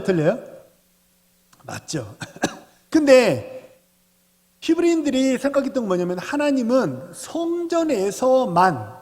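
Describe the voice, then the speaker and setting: A man, the senior pastor, preaching a Sunday sermon and often putting questions to the congregation. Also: high-pitched. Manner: animated, asks the congregation questions. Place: church sanctuary. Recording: long reverb of a church hall.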